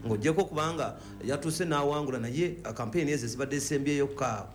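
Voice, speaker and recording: A man's voice: mid-range voice, fast talker. A man with a Ugandan accent giving football opinions in a discussion, mixing English words and phrases into his speech. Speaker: football pundit. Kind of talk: sports discussion.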